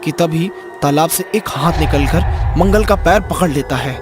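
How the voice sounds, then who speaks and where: A man's voice: fairly high pitch, unhurried. A man narrating a scripted cartoon horror story as its storyteller. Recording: music behind the voice.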